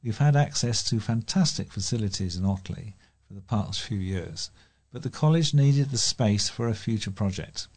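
A man reads local news items from a script as a volunteer reader. His voice sits a little low and has a soft, dark, relaxed tone. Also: normal speed. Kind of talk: read-aloud local news.

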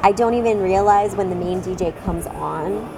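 A woman in casual conversation, describing her work at a loud pool club in a relaxed, chatty way. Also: medium pitch, moderate pace, over a noisy crowd. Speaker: pool club worker, guest. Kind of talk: casual chat.

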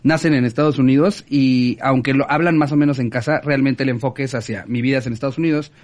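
A man's voice: mid-range voice, fairly even intonation, fast talker, a little mellow. A man hosting a casual chat, hesitant and stumbling over his words. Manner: hesitant, many fillers and repeats. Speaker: podcast host.

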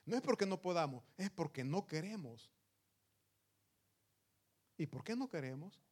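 A man delivers a sermon in an earnest, emphatic way, calling his listeners brothers. His voice sits somewhat higher than most men's. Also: sing-song, unhurried, darkish tone, husky. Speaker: preacher.

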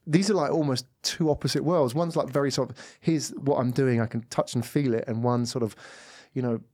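A man hosts a podcast interview in a dry, close studio. His pitch sits in an ordinary middle range. He talks conversationally, leading into questions with loose asides and fillers. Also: steady tone, a little fast, a little mellow, slightly rough, dry recording. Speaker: podcast host.

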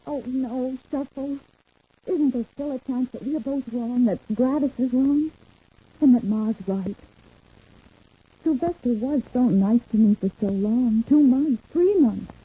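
An actress playing an anxious, gentle young woman with earnest, pleading delivery in a vintage radio soap. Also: on the high side, animated, unhurried, husky, heavily acted. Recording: narrow, phone-like vintage radio recording.

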